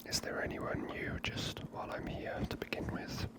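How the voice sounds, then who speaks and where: Whispering game commentator. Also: moderate pace. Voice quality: soft unvoiced whisper. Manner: gentle, musing aloud, low-key. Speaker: video game player and narrator.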